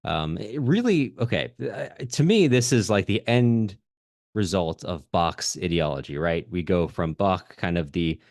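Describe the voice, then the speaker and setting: A man hosting a podcast, talking through a book in a conversational, halting way as he thinks aloud. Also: sits low, expressive, darkish tone, dry recording, clean studio sound. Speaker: podcast host. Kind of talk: conversational literary discussion.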